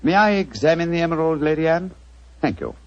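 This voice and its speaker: Sherlock Holmes, crisp and precise. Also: male voice, fairly high pitch, expressive, fairly quick, dry recording. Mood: measured. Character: Sherlock Holmes, cool precise middle-aged detective. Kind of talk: 1940s radio acting. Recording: muffled old radio broadcast.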